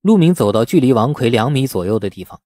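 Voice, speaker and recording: A male audiobook narrator with a mellow, warm tone and a medium pitch. He reads fiction dramatically, with lively intonation, in a dry, close recording. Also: fast talker, no echo. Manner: expressive storytelling. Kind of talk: dramatic scripted narration of a novel.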